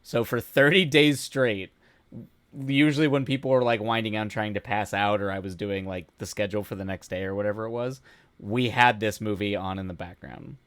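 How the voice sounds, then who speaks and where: A man hosting a casual live stream, rambling with halting restarts and laughing often, his voice starting to go hoarse. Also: fairly low pitch, fairly even intonation, fairly bright tone, no room sound. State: voice going hoarse. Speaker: streamer host.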